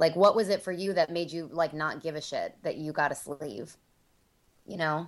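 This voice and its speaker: A woman with an American accent talks in a plain, everyday voice at a fairly low pitch and a moderate pace. Her pitch variation is ordinary, with big swings in loudness. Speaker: feminist podcast co-host, PhD student. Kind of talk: casual chat.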